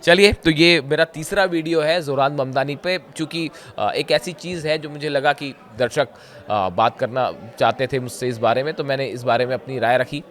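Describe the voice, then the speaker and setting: A hoarse man giving conversational news commentary straight to his viewers, pausing often and pointing things out as he explains. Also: mid-range voice, fairly bright tone. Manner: conversational, often says "dekhiye", frequent filler pauses.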